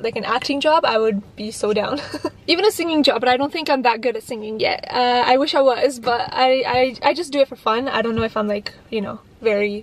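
A woman's voice: fairly high pitch, low-quality recording. A woman of twenty-one, raised in Canada, chatting casually to her viewers from a parked car while answering their questions, full of fillers and restarts. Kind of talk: casual Q&A vlog. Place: parked car, indoors of vehicle. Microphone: camera on dashboard, facing her.

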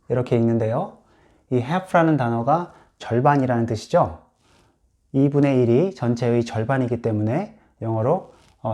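A man's voice: medium pitch, dark tone. A man teaching English in Korean, patiently explaining and repeating each English word for practice. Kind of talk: explanatory lesson.

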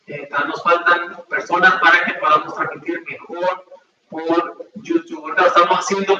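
Young priest in an echoey chapel. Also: male voice, fairly high pitch, bright, forceful tone, lo-fi sound. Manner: informal, many fillers between the prayers. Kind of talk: celebrating mass and giving announcements. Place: small chapel with altar, indoors. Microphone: far camera. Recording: echoey room from far off, faint noise.

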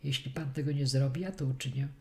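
A woman's voice: very deep voice, steady tone, fast talker, darkish tone. A woman reading the insistent lines of an impatient male office doorkeeper in an audiobook.

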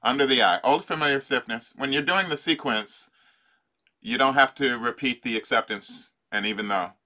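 An older man leading a tapping exercise over a video call, playful and laughing, often pausing with fillers. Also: mid-range voice, bright, forceful tone. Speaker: life coach. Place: home room.

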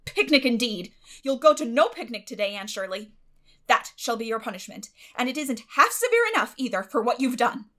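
A woman's voice: a little high, big pitch swings, fairly quick, a bit bright. A woman voicing a stern, exasperated older female guardian in an audiobook, with a clipped, emphatic delivery. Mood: angry.

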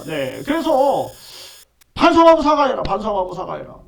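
A man's voice: very high-pitched, recorded from a distance. A man hosting his own channel, delivering an indignant monologue commentary full of repeated fillers. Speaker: online channel host.

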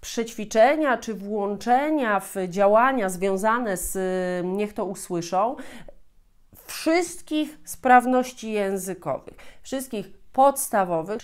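A woman in her thirties giving an explanatory talk as a teacher, often repeating and rephrasing as she goes. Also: medium pitch. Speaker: host, Polish language teacher. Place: small furnished room at home, indoors.

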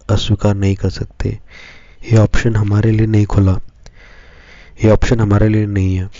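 A man reading Scripture and preaching as a pastor, slow and measured in short phrases. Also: fairly low pitch, mellow, no room sound, lo-fi sound. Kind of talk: devotional Bible reading and sermon.

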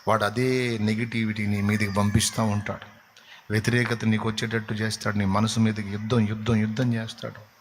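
A male pastor preaching an impassioned sermon, asking his congregation direct questions and building to loud, emphatic repetitions. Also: lowish voice, little pitch movement, fairly quick, a little hiss or hum.

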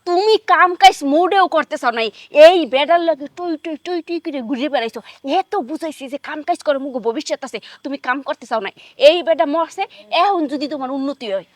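Comedy-drama casting: a woman as a high-pitched, bossy village wife, dry sound. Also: quick pace, no room sound, natural voice. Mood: scolding. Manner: scolding, bossy. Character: scheming, sharp-tongued village wife.

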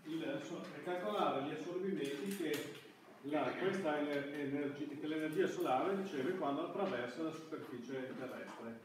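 A middle-aged man lecturing at a university, his voice on the high side, delivers his class in a halting way full of broken-off words. The camera sits far back in the indoor classroom, so the audio sounds echoey and remote, with noise in the background.

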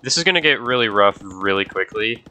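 A young man with a cold hosts a gaming video, his stuffy, nasal voice sitting lowish and animated at a slightly fast clip over music. He's sick and congested but chatty, easily distracted, and talks casually to viewers as he plays.

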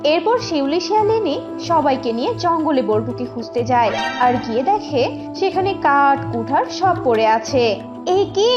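A woman's voice: high voice, lively intonation, moderate pace. A woman narrator reading a scripted storybook cartoon tale. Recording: dull lo-fi audio with loud music.

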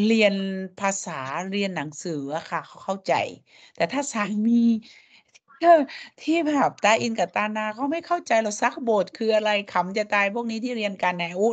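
A woman teaching a language lesson, coaxing students and drilling sounds syllable by syllable. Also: medium pitch. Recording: dull lo-fi audio.

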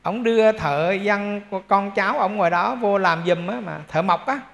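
A man's voice: sits high, moderate pace, vocal fry, a bit bright. A male Buddhist monk with a Central Vietnamese accent giving a dharma talk in a temple hall. He talks conversationally, checks in with his audience and adds humorous asides.

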